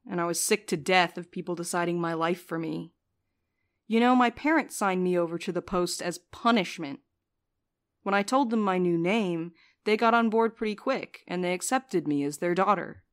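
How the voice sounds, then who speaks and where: A woman's voice: on the low side, close to an everyday voice. A woman playing a jaded, sleep-deprived young courier with a dry, sarcastic way of talking in a fiction podcast. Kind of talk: audio fiction podcast acting.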